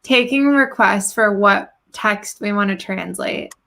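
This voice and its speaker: A woman whose first language is Russian, co-hosting a live coding stream and calmly explaining each step. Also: medium pitch, a little slow, creaky. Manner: calm and methodical, explains steps. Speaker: co-host walking through code. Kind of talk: casual live-stream chat.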